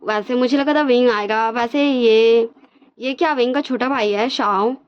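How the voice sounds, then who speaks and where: A woman voicing a calm, gently teasing man, an older brother figure. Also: a little high, measured pace, smooth, close to an everyday voice. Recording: dull lo-fi recording.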